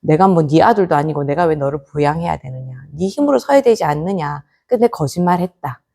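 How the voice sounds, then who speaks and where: A woman voicing a stern, wise rich man who calmly scolds his friend in a spoken folk tale. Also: a little high, fairly quick, gravelly. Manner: calm, scolding, explaining.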